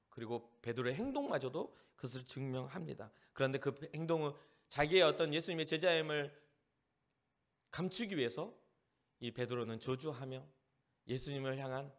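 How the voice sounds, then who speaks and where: Male pastor from Jeolla, fairly high, lively voice, preaching with animated storytelling. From Jeolla, South Korea. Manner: animated, acts out the lines of the people in the story. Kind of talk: sermon to a youth service.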